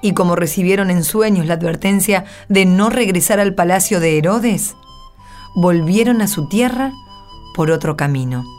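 A woman narrating scripture in a scripted, solemn style, measured and reverent, phrase by phrase. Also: fairly low pitch. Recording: soft music behind the voice.

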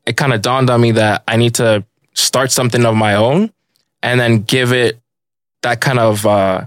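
A man's voice: mid-range voice, normal speed, no echo. A man from Ghana, a guest on a podcast, talking casually and loosely, with lots of fillers like "like" and "you know". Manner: relaxed, rambling, many fillers like "like" and "you know". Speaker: podcast guest, fashion brand founder. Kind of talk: casual interview chat.

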